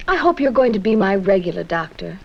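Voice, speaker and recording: A woman's voice: mid-range voice, very animated, a little fast, gravelly, a little mellow. An actress playing a trusting, admiring, chatty female patient in a 1970s educational film. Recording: muffled, hissy 1970s film soundtrack.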